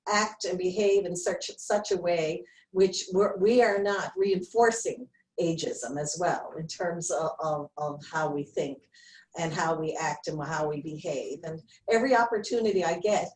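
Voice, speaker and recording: A woman's voice: on the low side, measured pace, a little mellow. A woman in her sixties from Canada, telling a friendly story during a video-call town hall. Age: 60s. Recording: roomy, distant from the mic.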